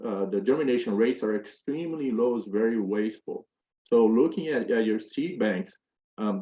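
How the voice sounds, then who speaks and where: A man's voice: on the low side, darkish tone. A man asking a long, hesitant question from the audience at a panel, with many fillers and restarts. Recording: roomy, dull room audio.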